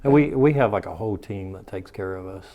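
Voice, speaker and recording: A man's voice: lowish voice, fast, dark tone. A man giving casual interview answers in a plain-spoken, matter-of-fact way. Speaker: interview guest, charity plunge participant.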